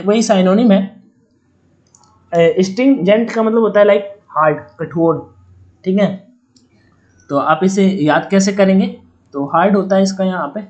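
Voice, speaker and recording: A man with a high, slightly mellow voice gives a casual online vocabulary lesson for exam students, captured in a rough recording. He explains words using joking memory tricks and addresses viewers like a friendly older brother.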